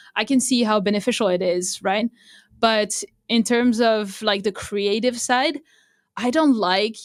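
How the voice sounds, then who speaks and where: Her pitch is fairly high for a woman, with ordinary pitch variation. The recording is very clean, with a silent background. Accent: non-native. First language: not English. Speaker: music producer. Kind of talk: interview. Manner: halting, many fillers.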